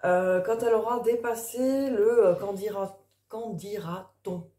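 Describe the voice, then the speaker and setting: A woman card reader talking casually in an early-morning voice, improvising and thinking aloud in a halting way with trailing pauses. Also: medium pitch, mellow. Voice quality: early-morning voice, which the speaker calls gruff. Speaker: tarot card reader and spiritual coach. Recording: echoey, reverberant room.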